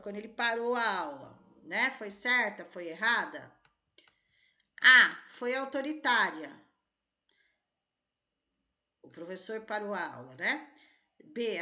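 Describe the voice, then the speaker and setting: A woman's voice: on the high side, sharp tone. Brazilian woman teacher talking through test questions. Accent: Brazilian Portuguese. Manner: thinks aloud, rechecks answers, tags lines with "né?" and "tá?". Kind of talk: exam-prep lesson, reading and solving test questions.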